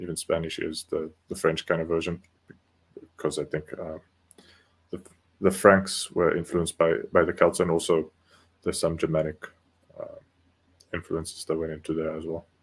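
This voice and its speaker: The delivery is monotone and flat at a moderate pace, with long, frequent pauses and big swings in loudness. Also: man, very deep, low pitch for a man. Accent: South African. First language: Afrikaans. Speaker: study group member. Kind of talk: casual discussion. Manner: halting.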